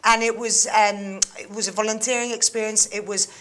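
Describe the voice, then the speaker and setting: A woman's voice: medium pitch, level tone, a little fast, a bit bright. A woman guest on a talk show, chatting animatedly with frequent laughs and fillers like um and you know. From England and Greece. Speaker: interview guest, mentoring manager. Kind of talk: casual chat.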